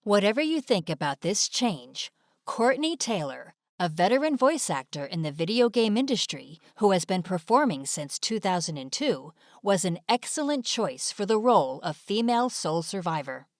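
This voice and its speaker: Lively, polished female narrator. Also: mid-range voice, moderate pace, no room sound, studio quality. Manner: polished, presentational. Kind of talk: scripted video essay narration.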